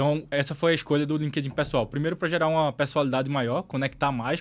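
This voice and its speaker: In a very clean recording with a silent background, a man talks at a very fast pace. His intonation is fairly even. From Brazil, Recife (Pernambuco). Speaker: digital marketing agency owner. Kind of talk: podcast interview.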